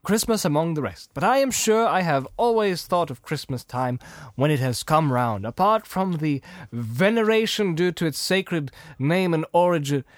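A man voicing a cheerful, warm-hearted young nephew in a storybook reading, earnest and theatrical. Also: fairly high pitch, expressive, normal speed, dry recording, studio quality, lightly acted. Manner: exclamatory, theatrical.

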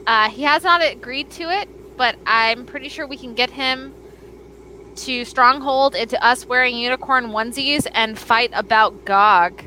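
A woman with a Southern accent chats excitedly on a podcast, gushing over her guests. Her voice sits a little high and rings bright and forceful, with a faint hiss underneath. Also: moderate pace, poor audio. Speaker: podcast co-host. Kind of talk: casual chat.

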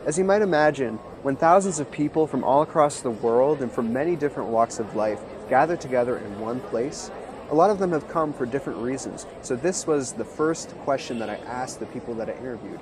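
A man's voice: medium pitch, animated, fairly quick, background noise. A man narrating a scripted report about a faith-based justice conference. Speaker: video host and interviewer.

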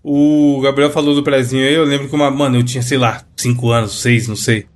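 A man's voice: medium pitch, level tone, quick pace. A man co-hosting a casual podcast, joking and recalling childhood stories. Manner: joking, interjects, quotes imagined people. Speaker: podcast co-host. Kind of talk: casual comedic chat.

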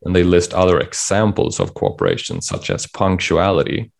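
A man co-host in a casual panel discussion, explaining points in a measured way and reading out passages of guidelines. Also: deep voice, sing-song, creaky. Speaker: podcast co-host.

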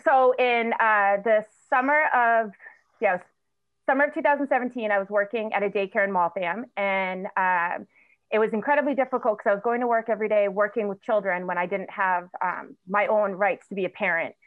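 A woman's voice: mid-range voice, a little fast. A woman in her thirties tells her story candidly as an interview guest. She halts and restarts often, with plenty of fillers. Her voice comes through a thin, phone-like line with no room echo. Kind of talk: emotional personal storytelling in an interview. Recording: tinny phone-like line, dry.

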